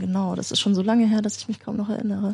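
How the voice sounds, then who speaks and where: A soft-spoken woman talks somewhat breathily in a dark, mellow tone. The sound is dry and close with no echo, and the background is quiet. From East Germany. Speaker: podcast guest. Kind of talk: casual chat. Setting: live-streamed podcast recording.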